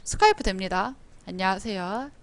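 A woman's voice: mid-range voice, very animated, normal speed. A woman streaming a life-simulation game, chatting playfully, scolding her characters and reading the story text aloud. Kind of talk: live-streamed game commentary.

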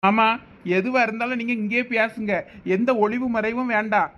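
Acting in a village comedy skit with a Thoothukudi Tamil accent, a man portrays a middle-aged brother who insists, complaining, on getting his property back. He speaks at a normal speed in a high, somewhat bright voice with fairly even intonation.

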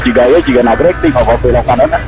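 A man's voice: mid-range voice, rapid-fire, muffled recording. A man with a West Javanese Sundanese accent chatting casually as a fellow rider on a motorcycle. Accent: Sundanese-speaking West Java. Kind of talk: casual chat while riding. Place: outdoors on a motorcycle at night. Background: loud music.

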